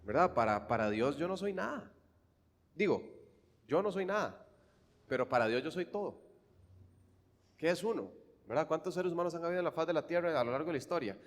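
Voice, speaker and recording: A man with a Costa Rican accent preaching a sermon, swinging fervently from hushed, quiet lines to loud, emphatic ones. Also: a little high, animated, brisk, pauses often, in a large hall. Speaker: pastor.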